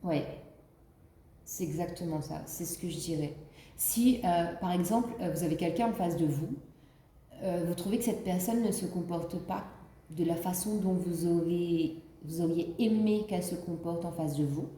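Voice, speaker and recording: A woman's voice: fairly low pitch, normal speed, warm tone, roomy sound, a little hiss or hum. A woman with the flu giving a casual spiritual card reading, rambling with many fillers and restarts. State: has the flu. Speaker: card reader.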